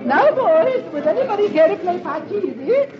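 A man voicing a prim, polite rich society lady in a fluttery falsetto, on an old radio recording. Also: very animated, normal speed, dull audio, over loud music, over a noisy crowd. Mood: genteel.

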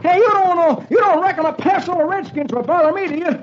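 A man voicing a panicky, excitable old male wagon driver in a radio comic reading, yelping his lines. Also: very high-pitched, brisk, pitched above the performer's own voice. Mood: agitated. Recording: dull old radio broadcast, faint hiss.

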